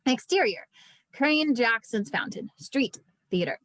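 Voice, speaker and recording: A woman's voice: a little high, expressive, unhurried, a bit bright, dry recording, low-quality recording. A woman reading screenplay stage directions as a scripted narrator.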